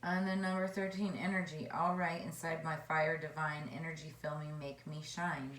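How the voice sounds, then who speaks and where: A woman with a hoarse voice giving a casual tarot card reading, chatty and meandering as she muses aloud. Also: sits low, flat delivery, moderate pace, a bit bright. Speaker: tarot reader. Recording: echoey room.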